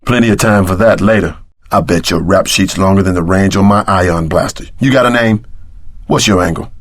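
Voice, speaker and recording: An actor playing a tough, streetwise, wisecracking action sidekick in a video game, with a husky voice and gruff, slangy delivery. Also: male voice, deep voice, normal speed. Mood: menacing, cocky.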